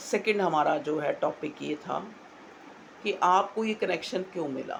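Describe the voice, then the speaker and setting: The intonation is lively. The pace is very slow. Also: woman, medium pitch for a woman. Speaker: tarot reader. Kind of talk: collective tarot reading.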